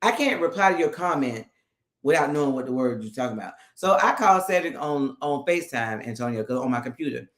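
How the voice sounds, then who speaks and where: A woman co-host telling a story in a casual, animated way, laughing often and restarting her sentences. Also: extremely low pitch, fast, roomy sound. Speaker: podcast co-host.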